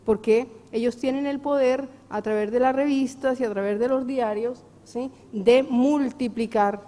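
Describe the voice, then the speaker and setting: A woman's voice: on the high side, fairly even intonation, unhurried, mellow. A woman from Latin America speaking earnestly at a round-table discussion, often seeking agreement with short questions. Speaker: panelist poet. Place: large historic hall. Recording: reverberant hall.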